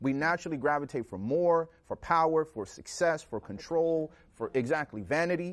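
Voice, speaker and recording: An ordinary speaking voice from a man, fairly high in pitch, with lively intonation at a fairly quick pace over a quiet background. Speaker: co-host, panelist. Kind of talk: prayer and Bible discussion.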